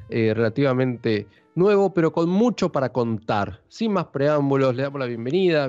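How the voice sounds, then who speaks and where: A man's voice: on the high side, a little mellow, no echo. A man with an Argentine accent hosting a music interview in a radio-announcer manner, stretching some words. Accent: Argentine Spanish. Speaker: radio show host. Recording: dull lo-fi audio with faint music.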